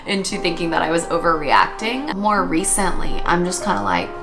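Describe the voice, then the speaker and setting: A woman's voice: on the low side, sing-song, music in the background. A woman in her twenties with an American accent, answering viewer questions in a candid, chatty vlog as a medical resident. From United States. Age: 20s. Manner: chatty and candid, quick asides and laughs. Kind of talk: casual Q&A vlog.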